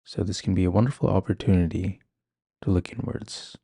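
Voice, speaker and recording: A man leading a guided meditation in a calm, gentle, measured manner. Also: low voice, vocal fry, slightly rough, dry recording, studio quality. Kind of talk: guided meditation, ASMR-like instruction.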